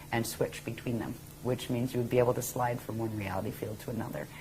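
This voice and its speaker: A woman with an American accent speaks at a very deep, low pitch, with noticeable background noise behind her. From Pennsylvania, US. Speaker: spiritual teacher. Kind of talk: interview. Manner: fast.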